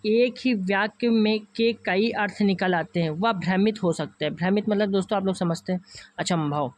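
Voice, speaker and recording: A man's voice: high-pitched, moderate pace. A man teaching an online exam-prep class with a north Indian Hindi accent, calling his viewers friends and going through each option patiently and repeatedly.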